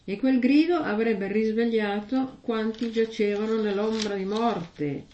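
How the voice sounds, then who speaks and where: A woman reading a gospel passage slowly and then preaching on it in a conversational way, asking her listeners questions. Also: a little high, dark tone, slight background noise. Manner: slow, measured reading with heavy pauses. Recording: echoey, distant, dull lo-fi sound.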